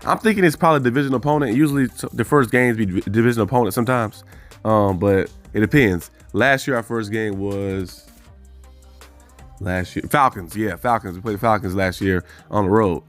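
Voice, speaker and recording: Low-voiced man rambling about his team. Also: fairly quick, soft background music. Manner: rambling, thinks aloud, self-correcting. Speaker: fan channel host. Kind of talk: casual solo sports commentary.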